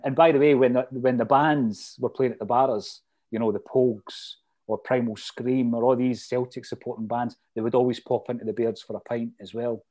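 A man's voice: medium pitch, warm tone. A middle-aged man with a Fife Scottish accent, reminiscing casually in a chatty, detailed, anecdotal way. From Fife, Scotland. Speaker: interview guest, lifelong football supporter.

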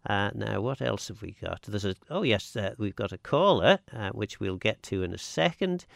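A man's voice: on the low side, lively intonation, normal speed, gravelly, no echo, clean studio sound. A man with an Isle of Man accent hosting a live radio phone-in, chatting and reading out texts with hesitant, stammering starts. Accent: Manx (Isle of Man).

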